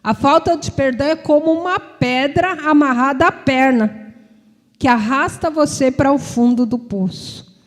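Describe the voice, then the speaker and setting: Preaching to both a congregation and online viewers, this woman, a psychologist as well as a preacher, keeps her sermon conversational, informal and repetitive. Her high voice moves at a moderate pace, and she keeps checking in with frequent tag questions. The sound carries a long reverb from a big hall.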